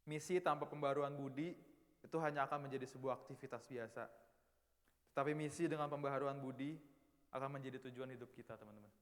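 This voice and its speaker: A man's voice: mid-range voice, fast. A man in his twenties giving a casual, chatty youth sermon in church, talking straight to the young people. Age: 20s. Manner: casual, chatty, banters with the audience. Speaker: youth preacher. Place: church hall. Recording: long hall reverb.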